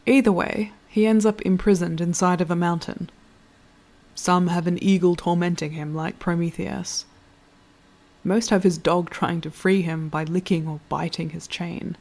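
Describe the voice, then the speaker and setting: A woman playing a reflective, literate storyteller in a scripted audio drama, musing in a measured, thoughtful way. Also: on the low side, steady tone, a little mellow.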